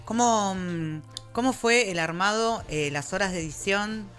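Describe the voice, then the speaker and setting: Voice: mid-range voice, unhurried, fairly bright tone. An interviewer with an Argentine accent chatting informally and enthusiastically in a radio studio. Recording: music playing under the voice.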